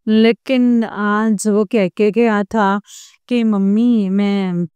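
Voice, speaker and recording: Slow, halting older woman giving testimony. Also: on the high side, steady tone, darkish tone, clean tone, no room sound, muffled recording. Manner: halting, with frequent pauses and respectful address to the congregation. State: weak after a fever. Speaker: devotee sharing a testimony. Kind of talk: devotional personal testimony.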